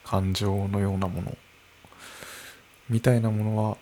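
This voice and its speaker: A man in his early thirties talking alone into a microphone in his room, slow and musing, with soft laughs. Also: fairly low pitch, level tone, a little hiss or hum. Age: early 30s. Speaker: podcast host. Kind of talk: unscripted solo podcast talk. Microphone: podcast microphone.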